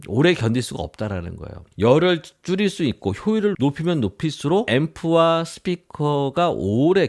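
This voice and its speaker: A man presenting a product review in an informal explanatory way, posing his own questions and stressing his sentence endings. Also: medium pitch.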